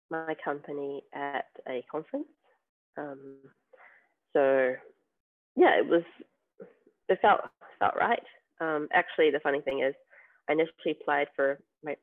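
A man's voice: on the high side, measured pace, pauses often. A man, a podcast guest talking casually and hesitantly, with many ums and restarts. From New Zealand. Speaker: podcast guest, software tester. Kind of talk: casual interview chat. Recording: tinny phone-like remote call.

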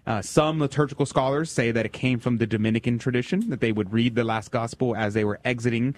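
A man's voice: medium pitch, fairly even intonation, fast talker. Playful male radio quiz host. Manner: teasing, playful quizmaster.

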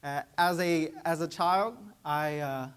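A man's voice: a little high, slow, clear, resonant tone. A conversational male preacher, Vietnamese-born. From Vietnamese American, raised in Georgia. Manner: conversational, frequent "right?" tag questions. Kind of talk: sermon.

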